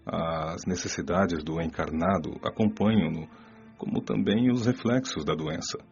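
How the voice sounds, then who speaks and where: An actor voicing a wise, patient male spirit mentor who explains things calmly in a radio drama. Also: deep voice, measured pace. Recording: slightly dull audio. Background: soft background music.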